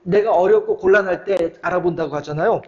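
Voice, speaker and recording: A man's voice: high-pitched, brisk, a little mellow, lo-fi sound. A man preaching a midweek sermon, retelling Bible scenes and acting out their dialogue with many fillers. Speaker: pastor.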